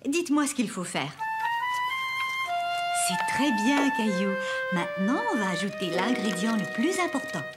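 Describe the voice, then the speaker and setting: A woman's voice: mid-range voice, sing-song, measured pace, pauses often. A woman voicing a friendly, helpful babysitter in a children's cartoon, encouraging in manner. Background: loud background music.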